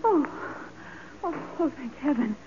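An eager young female sidekick in a 1940s radio mystery. She is inquisitive and high-voiced, heard through a thin, faintly hissy old recording. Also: expressive, a little slow, dull audio. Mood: shaken. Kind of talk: 1940s radio crime drama acting.

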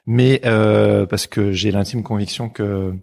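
A man from Belgium, an illustrator hosting the show, asking questions in a relaxed, conversational way. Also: on the low side, slow, vocal fry. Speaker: podcast host, illustrator. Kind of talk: casual interview chat.

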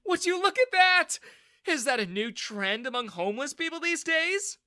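A storybook narrator voicing an arrogant middle-aged male bank manager who sneers and shouts, pitched far above the narration. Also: very animated, normal speed, no room sound, clean studio sound, heavily acted. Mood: sneering.

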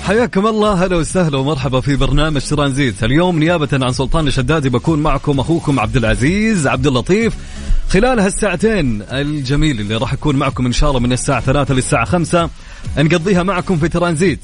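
Saudi man, radio host, rapid talk, upbeat, chatty, faint music behind. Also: fairly high pitch, expressive. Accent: Saudi Arabic. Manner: chatty, upbeat, asks and answers his own questions. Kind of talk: lively radio show hosting. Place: radio studio.

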